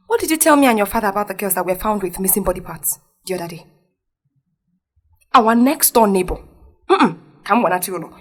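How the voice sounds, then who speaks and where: Husky, preachy Nigerian mother. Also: fairly high pitch, fairly bright tone. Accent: Nigerian Igbo-language English. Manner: preachy, exclamatory, repeats herself insistently. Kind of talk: audio drama acting. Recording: music behind the voice.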